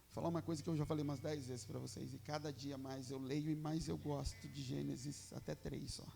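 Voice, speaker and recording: A man's voice: fairly high pitch, level tone, brisk, vocal fry, mellow, a little hiss or hum. A man with a Brazilian Portuguese accent preaching a sermon in church, earnest and fervent, moving into a prayer that keeps returning to "Father".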